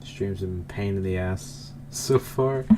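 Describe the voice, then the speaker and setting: A man's voice: sits low, measured pace, background noise. A man chatting casually as he streams a game, rambling and often repeating himself. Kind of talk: casual livestream chat.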